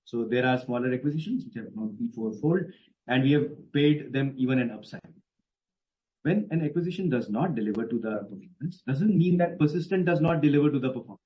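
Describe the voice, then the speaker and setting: A man's voice: mid-range voice, expressive, a little fast. Indian executive man, dull call audio. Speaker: company executive on an earnings call. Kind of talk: spontaneous explanatory answers to analysts. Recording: dull, band-limited conference call audio.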